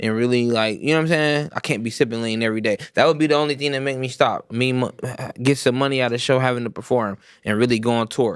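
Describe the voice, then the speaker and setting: A man delivers his words at a very fast pace with fairly even intonation. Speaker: rapper. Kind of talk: casual chat. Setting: studio.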